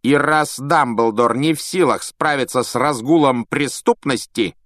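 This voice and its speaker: A man's voice: mid-range voice, measured pace, a bit bright, no room sound, clean studio sound, pitched above the performer's own voice, close to an everyday voice. A man voicing a haughty, contemptuous aristocratic man with a sneering, theatrical drawl.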